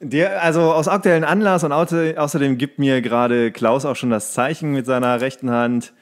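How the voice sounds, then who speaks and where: A man's voice: mid-range voice, steady tone, normal speed. Rambling male podcast co-host, casual and colloquial. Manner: rambling, colloquial, crude joking. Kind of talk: casual comedic podcast banter.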